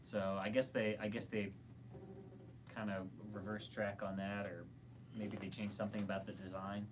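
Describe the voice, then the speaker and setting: A man's voice: lowish voice, flat delivery, moderate pace, background noise. A man co-hosting a casual livestream, chatting and reading viewer comments aloud.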